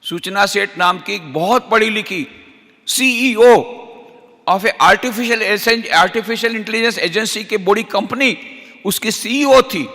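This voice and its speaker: A man, a monk lecturer, giving an animated storytelling sermon to teachers and asking the audience rhetorical questions. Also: high-pitched, in a large hall. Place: large lecture hall.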